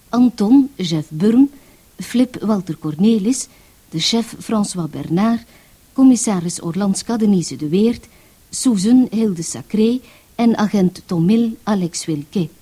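A woman's voice: medium pitch, warm tone, husky. A woman reading scripted closing credits as a radio announcer.

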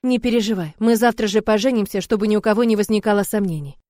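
A woman voicing a tender, determined young man who speaks calmly and firmly to reassure. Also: mid-range voice, fast, no echo, studio quality, natural voice. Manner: calm, firm, reassuring.

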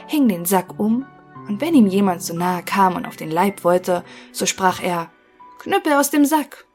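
A woman narrating a fairy tale audiobook in a measured storytelling manner. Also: medium pitch. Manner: measured storytelling, quiet asides.

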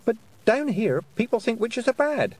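A man voicing a sharp, earnest young farm girl who talks things through out loud. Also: very high voice, sing-song, moderate pace, slightly rough, pitched above the performer's own voice, exaggerated voice. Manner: earnest, reasoning aloud.

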